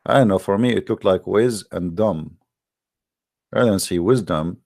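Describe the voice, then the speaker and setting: Deep-voiced, gravelly Arab-accented man hosting. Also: fairly quick, darkish tone. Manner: joking, sarcastic, teasing. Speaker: host of a live debate broadcast. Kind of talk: casual rambling live-stream talk.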